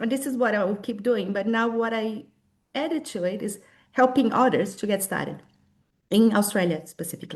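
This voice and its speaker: A woman with a Brazilian accent, fairly high in pitch, at a moderate pace. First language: Portuguese. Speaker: property developer and business coach. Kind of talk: interview. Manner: halting.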